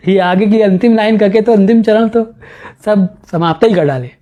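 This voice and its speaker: A professor takes his class through a classical work on astronomy, reciting verses slowly and then interpreting them with rhetorical questions and chuckles. His voice is high-pitched yet mellow.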